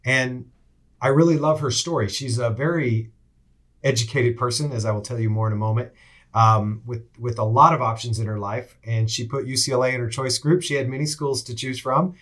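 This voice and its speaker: A man's voice: mid-range voice, fairly even intonation, fairly quick, fairly bright tone. A middle-aged man, an assistant dean, hosting and introducing a guest on a university interview podcast, speaking enthusiastically with frequent fillers.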